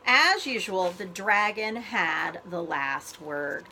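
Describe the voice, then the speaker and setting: Animated, bright-voiced woman reading to children. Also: on the low side, slight background noise, rough recording. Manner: expressive, deliberate phrasing for children. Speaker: school librarian reading aloud to students. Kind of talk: animated children's storybook read-aloud.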